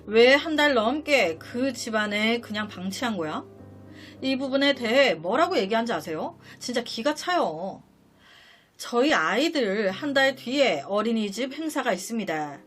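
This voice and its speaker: A woman's voice: fairly high pitch, expressive, a little slow, soft background music. A woman narrating a dramatic true-life story, talking straight to her viewers and sounding indignant at what she recounts.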